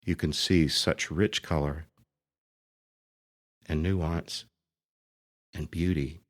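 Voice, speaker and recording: A man with a very deep voice leads a guided meditation in the manner of a priest. He speaks very slowly and gently, setting out short phrases with long pauses between them. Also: steady tone.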